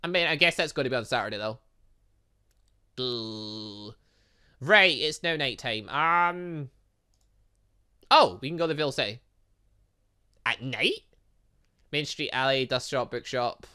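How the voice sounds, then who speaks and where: Gaming host for a let's play: bright voice, lively swings in pitch, reads on-screen text with jokey asides. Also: a little slow, long pauses, clear, resonant tone. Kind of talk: let's play commentary, reading game dialogue aloud.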